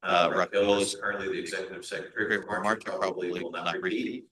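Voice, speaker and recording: A man with a low voice and a Hispanic American accent speaks as a pastor to a church meeting. His tone is bright and forceful, and he talks in a relaxed way, full of fillers and restarts. The sound bounces around an echoey meeting room. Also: fast. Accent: Hispanic American English.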